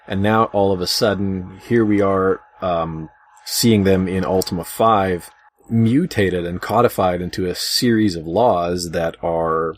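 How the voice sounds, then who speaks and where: Low-voiced man hosting a casual discussion. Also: breathy edge. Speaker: podcast host.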